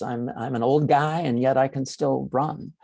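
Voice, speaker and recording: At a moderate pace, a man with an American accent speaks at a fairly high pitch with a dark, mellow tone. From northern California. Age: 70s. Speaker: journalist and documentary producer. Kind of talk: interview. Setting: video call. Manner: halting.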